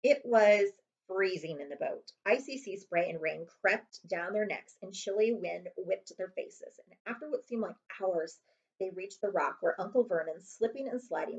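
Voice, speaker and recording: Lady reading a kids chapter book out loud, really lively up and down voice, bit muffled lo-fi. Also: fairly low pitch, creaky. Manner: expressive storytelling with character voices. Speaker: librarian reading aloud. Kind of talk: children's chapter book read-aloud.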